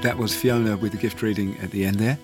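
A man's voice: on the low side, steady tone, fast talker. A man hosting a podcast, giving a conversational outro. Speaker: podcast host. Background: faint guitar music.

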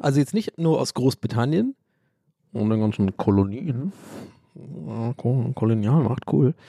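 A man's voice: medium pitch, warm tone, no echo, studio quality. Rambling, joking man hosting a podcast. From Ireland. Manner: rambling, joking, self-mocking, swears casually. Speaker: podcast host. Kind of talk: casual rambling monologue.

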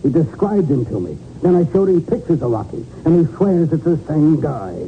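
An actor playing an earnest, dogged American police sergeant, emphatic and urgent, in 1940s radio crime drama style. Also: male voice, on the high side, big pitch swings, moderate pace. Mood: insistent, frustrated. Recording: narrow-band 1940s radio with faint noise.

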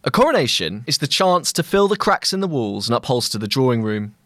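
A man narrating a scripted long-read essay as a journalist, in measured, deliberate phrasing. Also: medium pitch, sing-song, fairly bright tone, no room sound, clean studio sound.

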